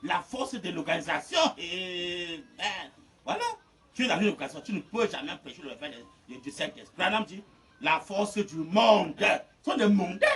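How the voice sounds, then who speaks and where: A man preaching a fiery sermon, shouting and laughing between phrases. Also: high-pitched, lively intonation, normal speed. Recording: distant mic with faint noise.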